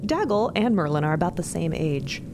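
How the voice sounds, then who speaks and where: A woman's voice: fairly low pitch, big pitch swings, fairly quick, noisy background. A woman narrating a scripted fiction podcast in a conversational, storytelling style.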